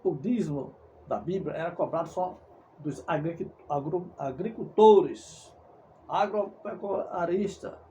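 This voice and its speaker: A Brazilian evangelical preacher delivers a fervent, insistent, repetitive monologue with a Brazilian Portuguese accent, sometimes stumbling over words. His voice is on the high side, warm and slow, on a low-quality recording with a bit of hiss or hum.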